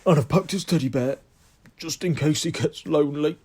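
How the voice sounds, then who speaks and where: A man voicing a big, soft-hearted male gamekeeper who puffs and sobs fondly. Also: fairly high pitch, normal speed, husky, pitched above the performer's own voice. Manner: puffing, sobbing, fond.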